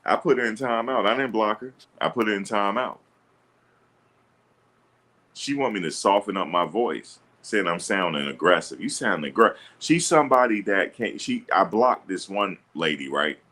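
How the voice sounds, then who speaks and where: Deep-voiced, assertive man streaming live. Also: animated, normal speed, a bit bright. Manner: assertive, blunt, combative. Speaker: livestream host. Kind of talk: livestream commentary answering chat. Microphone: streaming setup.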